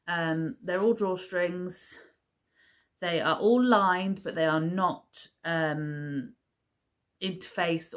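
Low-voiced woman, chatty and rambling. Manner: rambling, chatty, many ums and restarts. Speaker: crafting vlogger. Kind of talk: casual chat to camera. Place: living room at home, seated on a sofa.

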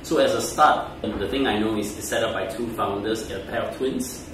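A low-pitched man hosts a business podcast interview, putting direct questions to his guest in an easy conversational way. He sits back from the mic, so his voice comes through a roomy, echoey office space. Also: normal speed, distant mic, noisy background. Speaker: podcast host. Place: office meeting room.

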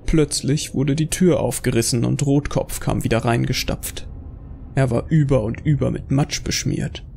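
A man's voice: mid-range voice, steady tone, normal speed, gravelly, darkish tone, a little hiss or hum. A man reading scripted narration for an audio drama.

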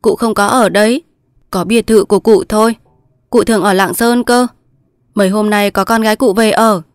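A woman voicing a calm, kindly old male villager who speaks plainly in a storybook reading. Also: mid-range voice, normal speed, no room sound, clean studio sound, pitched above the performer's own voice, lightly acted.

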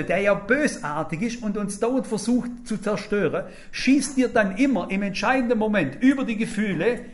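An older man preaching a sermon to a congregation, telling stories in a lively, emphatic way and acting out quoted speech. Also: sits high.

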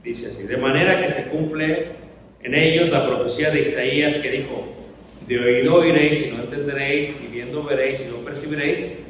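A man's voice: a little high, a little fast, fairly bright tone, slight background noise. A man preaching a Bible lesson to his congregation, posing questions and answering them himself. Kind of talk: Bible teaching sermon. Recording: echoey hall, mic far off.

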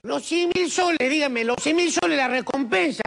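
A man's voice: extremely high pitch, moderate pace, gravelly, a bit bright. A man making a comic prank phone call, wheedling and scheming, calling everyone brother. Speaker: prank caller.

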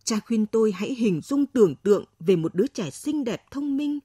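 Give me a woman narrating a scripted short story in a soft, measured voice. Her voice sits a little high with a breathy edge. The sound is close and dry. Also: lively intonation, dry recording.

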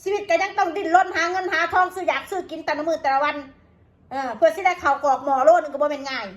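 A woman's voice: high voice, fast. A woman with an Isan accent, talking straight to her viewers in an angry, combative rant full of curses. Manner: coarse, combative, cursing. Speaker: vlogger.

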